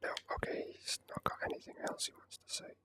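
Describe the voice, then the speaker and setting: Someone whispers close to the microphone, giving hesitant, rambling ASMR commentary as they play a video game, and they speak fast.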